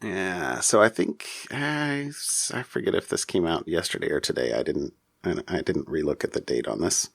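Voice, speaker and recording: Male podcast co-host, low register, halting conversational delivery on tech news, dry acoustic. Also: animated, vocal fry, no room sound. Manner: halting, thinking aloud. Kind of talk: casual tech news discussion.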